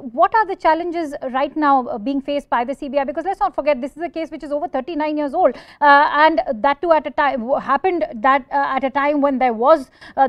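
A woman's voice: sits high, no room sound. A woman with an Indian accent presenting live breaking news as a television anchor.

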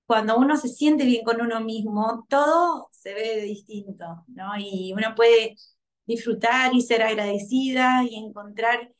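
Thirties woman, soft and hesitant, video-call laptop mic at home. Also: fairly high pitch. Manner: soft, hesitant, many fillers and restarts. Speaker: workshop participant, mother. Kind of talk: reflective testimonial over video call. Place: home living room.

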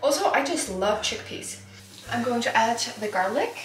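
A woman's voice: on the high side, sing-song, normal speed, echoey room, soft background music. A woman in her twenties from Iceland, chatting enthusiastically while cooking in a small home kitchen, with lots of "like" and "honestly". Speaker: lifestyle vlogger. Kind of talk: casual cooking vlog chat.

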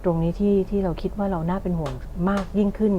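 A woman hosting a panel discussion, long-winded and pausing to search for words. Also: medium pitch, fairly even intonation, warm tone. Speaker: talk show host. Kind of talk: studio panel discussion, interviewing guests. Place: television studio. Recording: muffled sound with clear background noise.

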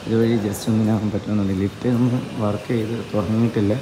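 A man's voice: lowish voice, flat delivery, fast talker. A man walking through an empty building while filming, talking with eager enthusiasm and repeating stock words of praise. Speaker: vlogger. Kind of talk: walking tour vlog. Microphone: phone camera held while walking. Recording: phone recording with clear street noise.

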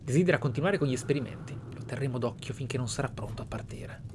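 A man from Italy reading and commenting on a video game in a measured, musing way. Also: mid-range voice, noisy background. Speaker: gameplay streamer. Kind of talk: reading game texts aloud and roleplay commentary.

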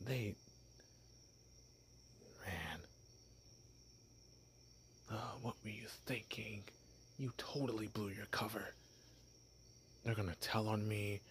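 A man's voice: fairly low pitch, fairly bright tone, slight background noise. A young man voicing a shy, clueless male vampire in an ASMR roleplay, stammering nervously as he pretends to be human. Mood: whispered self-scolding. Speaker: voice actor.

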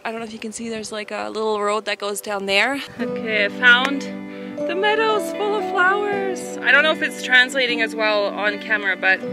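A young woman, out of breath, chatting candidly to the camera while hiking a mountain trail, on a lapel mic outdoors. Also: a little high. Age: young adult. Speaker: vlogger. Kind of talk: casual hiking vlog.

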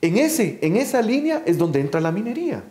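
A man's voice: sits high, big pitch swings, fairly quick, mellow, reverberant. A man, a guest on a panel debate, who lays out an analytical argument.

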